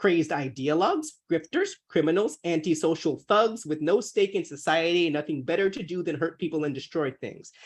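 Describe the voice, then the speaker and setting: With a quiet background, a man speaks at a high pitch and a fairly quick pace, with ordinary pitch variation and hardly any pauses. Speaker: author and language education scholar. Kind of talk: webinar presentation. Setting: video call. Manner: fast.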